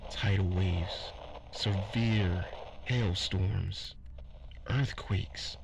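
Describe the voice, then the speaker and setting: An actor playing a weary, earnest survivor recording a grave, halting log in a post-apocalyptic audio drama. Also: male voice, low-pitched, vocal fry, full character voice. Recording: noisy ambience behind the voice.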